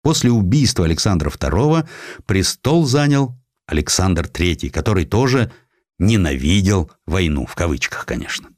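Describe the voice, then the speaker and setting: A man with a fairly low voice narrates a historical tale in a dry, close recording. His delivery is expressive storytelling with very lively intonation, shaped like a dramatized audiobook. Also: normal speed, no room sound. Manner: expressive storytelling with acted quotations.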